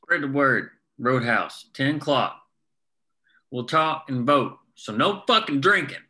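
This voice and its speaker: Male actor as resolute coal miner, folksy diction, bright forceful voice, mid pitch, persuasive table-read drama. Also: lively intonation, measured pace. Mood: firm, rallying. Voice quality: folksy rural working-class diction. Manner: plain-spoken, persuasive. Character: earnest, resolute male coal miner rallying fellow workers.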